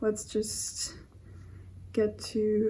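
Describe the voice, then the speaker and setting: The voice carries a dark, mellow tone and is somewhat breathy. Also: woman. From Ukraine. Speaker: beauty YouTuber. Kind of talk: casual vlog.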